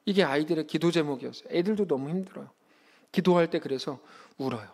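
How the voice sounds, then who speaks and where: A man in his thirties preaching a sermon as a pastor, in an animated, conversational way that acts out quotes. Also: on the high side, fast.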